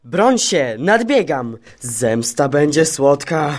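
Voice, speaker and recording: A man's voice: fairly high pitch, very animated, slow. A man voicing a whiny, grumbling, vengeful male blood cell in an audio story, with melodramatic complaints.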